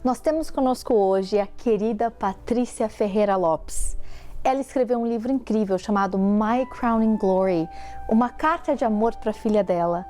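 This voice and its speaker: A woman's voice: mid-range voice, moderate pace, dark tone. A woman hosting a Christian talk show, welcoming her guest in a friendly, scripted way. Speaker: host.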